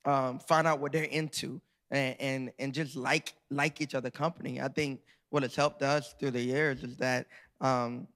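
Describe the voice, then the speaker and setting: A man's voice: medium pitch, little pitch movement, normal speed, a bit bright. A middle-aged man, telling a playful, laughing story to a live audience as a guest author. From Georgia, USA.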